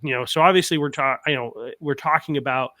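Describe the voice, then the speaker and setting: A man's voice: medium pitch, brisk, pushed and bright, no room sound. A man hosting a casual podcast interview, talking in a rambling way with many fillers and restarts. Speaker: podcast host.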